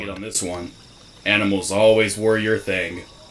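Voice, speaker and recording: This is a put-on character voice from a man. It sits at a fairly low pitch and moves at a moderate pace. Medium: voice reel. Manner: uneasy.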